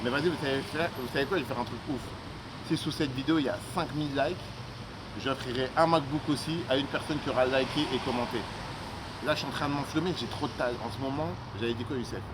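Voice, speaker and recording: A man's voice: medium pitch, steady tone, fast talker. A young man vlogging casually to the camera as he travels, in hyped, slangy street talk. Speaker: entrepreneur vlogger. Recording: noisy traffic and street background.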